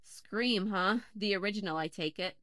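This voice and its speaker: A woman's voice: medium pitch, moderate pace, pushed and bright, no room sound. Dry, chatty woman podcast host. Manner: chatty, wry, dismissive of suggestions. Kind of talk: audio play acting.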